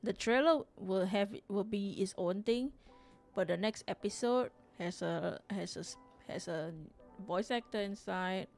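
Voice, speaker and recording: A chatty woman from Singapore talking casually while she draws on a live stream. Her voice sits at a middle pitch and she rambles, restarting her sentences as she answers chat. Faint music plays quietly behind her. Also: a little slow, gravelly. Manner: chatty, rambling, reads chat aloud, frequent restarts and laughs. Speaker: livestream artist host.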